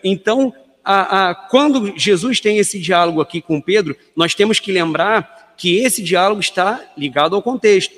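A Brazilian man explaining a Bible passage in a measured teaching tone. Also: high-pitched, expressive, fairly bright tone, big-room sound. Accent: Brazilian Portuguese. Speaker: Bible study panelist.

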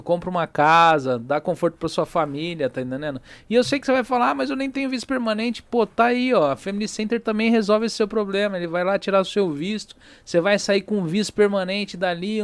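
A man hosts a podcast from a small studio, talking in a fairly high voice. The sound is dry and close, with no room around it. He keeps the chat loose and joking, and he checks in with the listener all the time. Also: brisk, hardly any pauses, clean tone, no room sound. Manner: chatty, jokey, fills with "né?" and "tá entendendo?". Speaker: podcast host. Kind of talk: casual podcast chat with sponsor reads.

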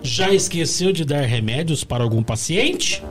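A Brazilian man co-hosting a casual chat show, cracking quick jokes and reading out questions to the guest. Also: a little high, animated, music in the background. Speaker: co-host.

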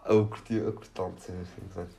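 Young male podcaster, European Portuguese accent, lowish pitch, casual and enthusiastic, slangy and repetitive. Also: level tone, fast, vocal fry, very noisy. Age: young adult. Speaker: podcast host. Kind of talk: casual chat.

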